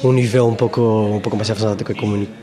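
A man from Curaçao speaks learner Portuguese hesitantly, correcting himself as he goes. His voice is low. Clear crowd chatter fills the room. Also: fairly even intonation, rapid-fire. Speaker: language student.

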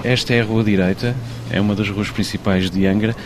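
A man's voice: fairly low pitch, steady tone, brisk, noisy background. A man from the Azores, a writer speaking thoughtfully in an interview, with some hesitations. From Terceira, Azores. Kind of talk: reflective interview talk. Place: shop and street in town.

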